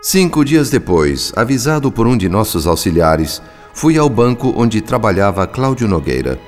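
A man's voice: lowish voice, big pitch swings, moderate pace, faint music behind. A man with a Brazilian accent playing a grave, watchful spirit who narrates a radio drama in literary, solemn style.

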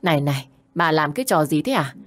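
A woman's voice: low-pitched, animated, fast. A woman doing an alarmed, scolding father. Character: startled, exasperated middle-aged father.

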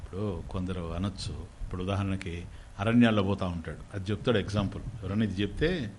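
A man giving a Vedanta discourse as a spiritual teacher. He asks his listeners questions and answers them himself, and he slowly chants Sanskrit phrases. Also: low-pitched, darkish tone, slight background noise.

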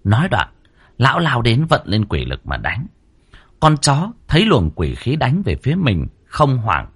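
Husky male storyteller. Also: mid-range voice, measured pace. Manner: dramatic, expressive storytelling. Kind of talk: scripted audiobook narration.

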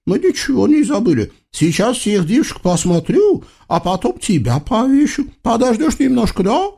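A man voicing a fat, petulant eastern sultan who chatters in a high, childish voice full of "eh?" and "yes?". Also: big pitch swings, moderate pace, gravelly, warm tone, slightly rough, exaggerated voice. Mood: whiny, indignant. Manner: high squealing voice, chatty tag questions.

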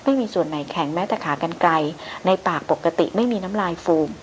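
A woman voicing a gruff veteran male hunter who speaks low and terse. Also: fast talker, slight background noise, close to an everyday voice, poor audio. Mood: urgent.

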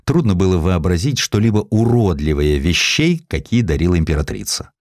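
A man reading a historical sketch as a scripted literary narration, in a measured, expressive storytelling manner. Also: low-pitched, no room sound, studio quality. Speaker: audiobook narrator.

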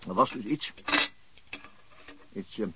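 An actor playing a polite, patient police investigator in a naturalistic radio drama, with hesitant, courteous questioning. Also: male voice, on the low side, takes it slowly. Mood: patient, probing. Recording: clearly noisy radio drama recording.

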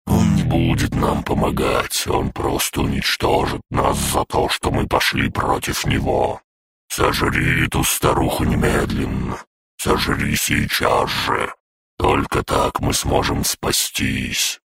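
A man voicing a hungry, menacing crab-like nightmare monster in a frightening, deep, disguised voice while reading a story aloud. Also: little pitch movement, fairly bright tone, no echo, exaggerated voice. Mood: menacing urging. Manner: slow, gravelly, husky menace.

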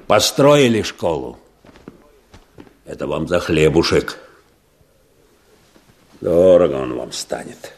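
An actor playing a bitter, defiant village man under arrest in a Russian radio drama, husky and threatening. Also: extremely low pitch, full character voice. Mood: bitter, menacing. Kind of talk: Russian radio play acting.

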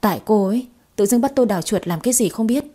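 A woman's voice: medium pitch, animated, fast talker, dark tone, husky. A woman voicing a curious, easily flustered young man who owns a villa, read in a storybook audio tale. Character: young wealthy male villa owner, curious and touchy.

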